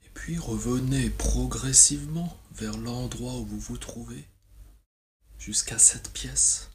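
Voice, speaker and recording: A man guides a relaxation meditation as a yoga nidra teacher, soothing and measured, with long pauses. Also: mid-range voice, fairly even intonation, a little hiss or hum.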